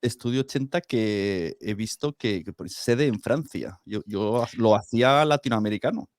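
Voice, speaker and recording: A man's voice: on the low side, moderate pace, no echo, clean studio sound. A man hosting a podcast, talking in a casual, informal and jokey interview style. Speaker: podcast host.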